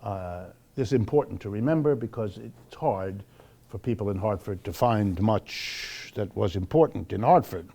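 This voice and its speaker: A man with an American accent lecturing off the cuff to a live audience, wry and emphatic, slowing for dramatic weight. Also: lowish voice, animated, creaky, mellow. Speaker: lecturer hosting a monthly public talk.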